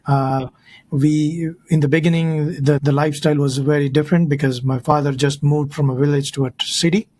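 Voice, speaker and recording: Man in his thirties, slightly high voice. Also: fairly even intonation, a little fast, darkish tone. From India. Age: 30s. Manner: earnest, storytelling, often ends with "right?". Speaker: guest, financial advisor. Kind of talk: casual interview talk.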